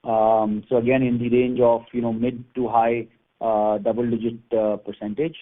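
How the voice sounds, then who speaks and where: A man with an Indian accent answering as a company executive on an earnings call, in halting, measured business talk. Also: mid-range voice, flat delivery. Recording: phone-like conference call line.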